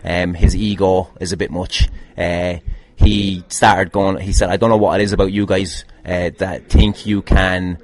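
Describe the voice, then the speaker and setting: A man's voice: low voice, level tone, measured pace, few pauses, darkish tone. A man with an Irish accent telling casual, rambling anecdotes as a podcast host, jokey, sweary and self-deprecating. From Ireland. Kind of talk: casual rambling anecdotes answering fan questions.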